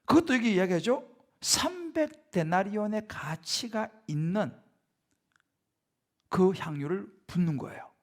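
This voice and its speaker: Male pastor, middle-aged, sermon, rhetorical questions, lively delivery, raspy fry. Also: high voice, a little slow. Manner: conversational preaching, frequent rhetorical questions. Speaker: senior pastor. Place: church sanctuary.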